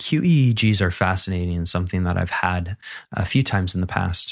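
On a very clean recording with a silent background and a dry, close sound with no echo, a man speaks at a moderate pace with a very deep, low pitch and ordinary pitch variation. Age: 30s. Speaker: podcast host. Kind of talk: solo monologue and casual chat with partner.

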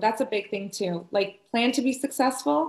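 On a very clean recording with a silent background, a woman with a plain, everyday voice speaks at a fairly high pitch with ordinary pitch variation. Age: 40s. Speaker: pharmacist. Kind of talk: casual chat.

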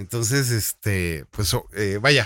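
A man speaks very slowly in a bright, sharp tone with ordinary pitch variation, captured in a very clean recording with a silent background. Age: 40s. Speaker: podcast host. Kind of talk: interview. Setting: studio.

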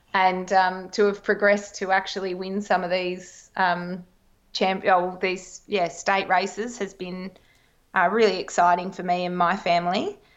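With an Australian accent, a woman speaks at a medium pitch and a fairly slow pace in a monotone, flat intonation against a quiet background. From rural Victoria, Australia. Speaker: elite distance runner and school teacher. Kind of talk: interview. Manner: articulate.

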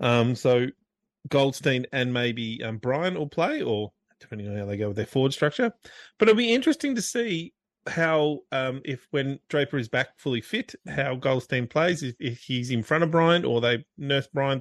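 A man with an Australian accent speaks at a moderate pace, fairly high in pitch and with lively intonation. The sound is dry and close with no echo, over a quiet background. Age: 30s. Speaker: podcast co-host. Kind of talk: casual chat.

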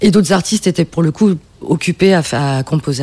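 A woman speaks with ordinary pitch variation. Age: 40s. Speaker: artist booking agent. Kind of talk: round-table discussion.

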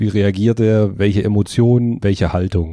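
Speaking at a fairly slow pace, a man with a slight southern German accent has a fairly low pitch, a dark, mellow tone and ordinary pitch variation. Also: quiet background. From southern Germany. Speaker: manager who hires staff. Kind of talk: interview.

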